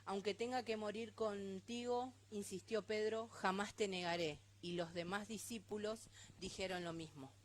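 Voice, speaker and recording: A woman reading a Bible passage aloud in a steady, measured way during a church service. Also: medium pitch. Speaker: scripture reader.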